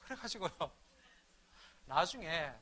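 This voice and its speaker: A middle-aged man giving a humorous church talk, acting out his own quarrels with his wife in animated storytelling. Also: on the high side, measured pace. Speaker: church lay minister. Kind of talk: humorous revival-meeting talk.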